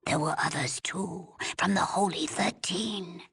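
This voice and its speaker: A woman playing a weary, stern old tribal elder in a video game, with a breathy, husky rasp and a solemn, halting, commanding manner. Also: fairly low pitch, fairly bright tone, full character voice. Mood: weary, grave. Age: older. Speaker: village elder. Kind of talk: dramatic video game voice acting.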